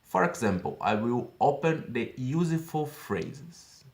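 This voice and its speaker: A man's voice: medium pitch, expressive, slow pace. Brazilian guy in his 30s, english w portuguese accent, earnest chatty app walkthrough, keeps asking okay?. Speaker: language-learning vlogger.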